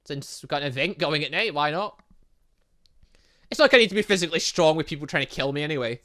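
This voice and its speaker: A game playthrough host reading aloud and commenting in a rambling, excitable, self-interrupting way. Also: medium pitch, fast. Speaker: gaming video host.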